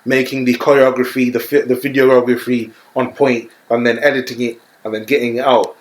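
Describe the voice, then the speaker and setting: An animated man talks casually as a podcast guest. His pitch sits in a middle range. The room around him rings with echo. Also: brisk. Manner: animated, repeats "you know what I'm saying". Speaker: podcast guest, content creator. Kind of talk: casual chat.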